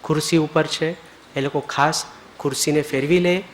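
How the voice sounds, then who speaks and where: A man leading a retreat group through a forgiveness ritual, mixing English phrases into his talk, checking again and again that everyone is clear, and going soft and low when he leads prayer. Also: steady tone, moderate pace, slight background noise. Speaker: spiritual teacher leading a retreat.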